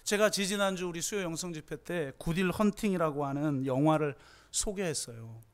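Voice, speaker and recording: A middle-aged man preaching a sermon as pastor, telling stories emotionally, moving from hushed tones to impassioned pleas. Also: on the high side, moderate pace.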